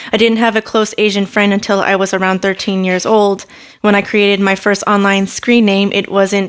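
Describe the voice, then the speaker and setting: Speaking with a Californian accent, a woman uses a medium pitch, a moderate pace and monotone, flat intonation. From California, Stockton. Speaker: poet and educator. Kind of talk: spoken word poetry performance.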